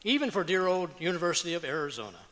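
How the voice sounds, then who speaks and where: Man playing a high-pitched bumbling radio husband. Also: very animated, very fast, a bit bright. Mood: wisecracking. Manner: folksy, wisecracking. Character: boastful, bumbling, cheerful pack-rat husband in radio comedy. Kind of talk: 1940s radio comedy acting. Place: auditorium stage, live performance. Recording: reverberant auditorium stage.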